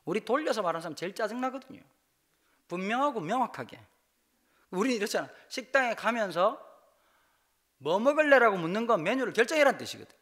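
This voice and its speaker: A man's voice: sits high, quick pace. A man from Busan with a Gyeongsang accent, a pastor telling funny personal stories in a revival sermon and acting out dialogue in dialect. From Busan, South Korea. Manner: lively, jokey, acts out dialogue in dialect. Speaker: guest pastor preaching a revival service. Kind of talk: humorous storytelling sermon. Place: church sanctuary.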